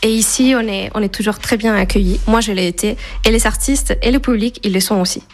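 A woman's voice: mid-range voice, a little fast. A woman from Spain in her thirties with a Spanish accent, answering radio interview questions with many fillers and restarts. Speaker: festival staff guest.

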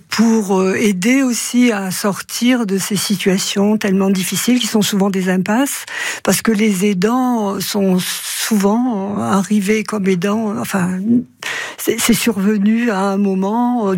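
A woman's voice: mid-range voice, fairly even intonation, takes it slowly, a little mellow, no room sound. A woman psychologist speaking as a radio interview guest, hesitant, with many fillers and restarts. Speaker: psychologist at caregiver respite group.

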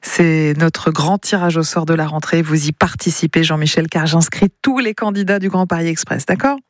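A woman's voice: sits low, no room sound, studio quality. Chatty woman hosting a radio quiz. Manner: bubbly, warm-hearted chatter with quick run-on sentences. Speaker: radio game show host.

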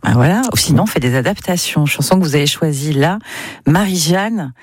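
A woman's voice: sits low, animated, brisk, a little mellow, slightly rough, dry recording, clean studio sound. A woman hosting a radio music interview, asking chatty, enthusiastic questions. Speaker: radio host.

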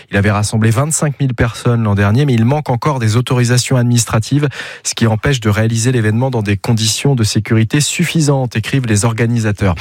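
A man's voice: medium pitch, no room sound. A male radio news presenter with a mid-range voice reads a bulletin. He allows himself informal asides, and the studio sound is close and dry.

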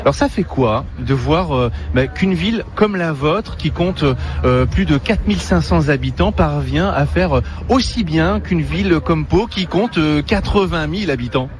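A man's voice: on the high side, animated, normal speed, hardly any pauses. A man hosting a live radio interview on location, asking questions with many hesitations and fillers. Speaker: radio host.

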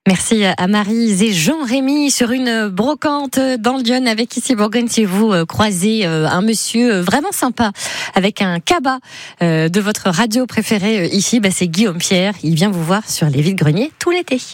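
A woman presenting a morning radio show in a smooth, friendly delivery. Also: mid-range voice, expressive, normal speed, no echo. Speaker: radio host. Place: radio studio.

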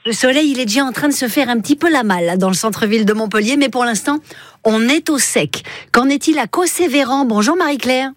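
A woman hosting a call-in show in a radio studio, chatty and enthusiastic, quick to joke with her caller. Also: on the high side, dry recording. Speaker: radio host. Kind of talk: lively call-in radio chat.

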